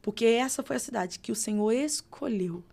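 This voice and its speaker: A woman pastor with a Brazilian accent, telling her testimony in a podcast interview with expressive, dramatic storytelling. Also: fairly high pitch, moderate pace, vocal fry. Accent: Brazilian Portuguese. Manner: expressive, dramatic storytelling with vivid reenacted dialogue. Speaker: pastor, guest.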